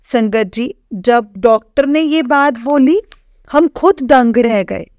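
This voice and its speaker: A woman sharing a devotional testimony with a congregation, earnest and halting, with many fillers and restarts. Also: fairly high pitch, lively intonation, a little mellow, no echo, clean studio sound. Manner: earnest, keeps addressing listeners as "sangat ji".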